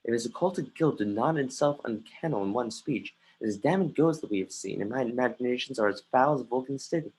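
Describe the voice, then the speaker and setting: Guy doing a brooding shakespeare prince, kinda husky, earnest, halting as he reads the verse. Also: mid-range voice, expressive, a little mellow, poor audio. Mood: earnest confiding. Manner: halting, restarts phrases mid-line. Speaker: actor. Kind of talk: dramatic reading of Shakespeare, often stumbling. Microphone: home computer mic on a livestream.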